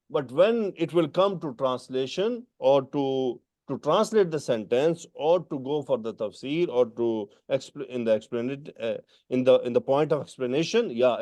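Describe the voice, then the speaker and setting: A man's voice: medium pitch, darkish tone. A man whose first language is Urdu, with a South Asian accent, teaching Quran grammar in an online class and patiently correcting students. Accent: South Asian English. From Pakistan or India. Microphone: video call.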